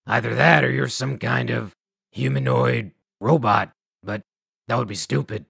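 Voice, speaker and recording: A man voicing a weary, bitter, self-deprecating ghoul scavenger in a video game, raspy and gravelly, with grudging, halting delivery. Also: medium pitch, a bit bright, dry recording, studio quality, exaggerated voice. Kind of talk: video game dialogue acting.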